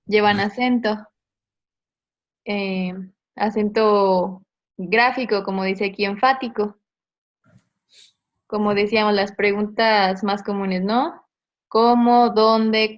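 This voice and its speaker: A woman's voice: medium pitch, fairly even intonation, takes it slowly, pauses often, dull audio. Patient woman teaching a class. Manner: patient, explains step by step with tag questions. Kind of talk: online class explanation.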